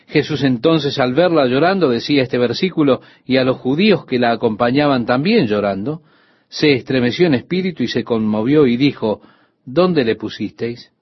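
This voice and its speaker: Husky-voiced male radio preacher. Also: mid-range voice, expressive, normal speed, no room sound, muffled recording. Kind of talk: radio devotional sermon.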